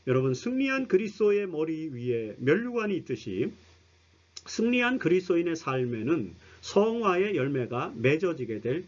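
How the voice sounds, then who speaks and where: A man's voice: on the high side, darkish tone, highs cut off. A man teaching a broadcast Bible study lecture, explaining earnestly and speaking straight to his listeners. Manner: earnest explanatory preaching, addresses listeners directly.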